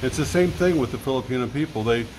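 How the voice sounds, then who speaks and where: A middle-aged man in casual conversation, telling stories eagerly and agreeing readily, recorded in a room with a steady air-conditioner hum. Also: medium pitch. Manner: enthusiastic storyteller, quick and affirming. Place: room in the Philippines.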